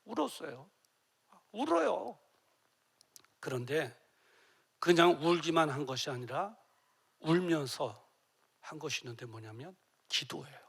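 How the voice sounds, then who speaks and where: A middle-aged pastor preaches an emotional sermon, sinking to near-whispers and rising to loud cries as he acts out tearful prayers. His pitch is fairly high with a breathy edge, and he speaks at a normal speed with long pauses.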